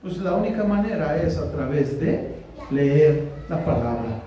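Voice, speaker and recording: A man's voice: fairly high pitch, lively intonation, measured pace, dark tone, dull audio. A man with a Mexican Spanish accent preaching a conversational sermon as pastor, often asking the congregation questions. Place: church hall. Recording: very echoey hall from far off, faint noise.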